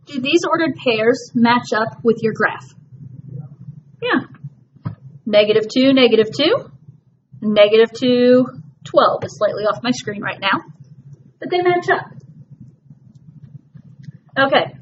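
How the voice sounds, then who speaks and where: A woman teaching a math class, talking patiently through each step and reassuring students it is not magic. Her voice sits a little high. The recording is dull and lo-fi, with a faint hiss behind her. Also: unhurried, pauses often. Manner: patient, reassuring, walks through steps aloud. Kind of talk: classroom lesson.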